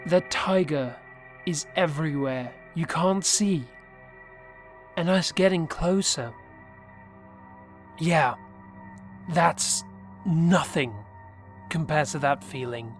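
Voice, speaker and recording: Male horror narrator, fairly high voice, measured and hushed in the tense bits, faint music bed. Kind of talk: scripted horror story narration.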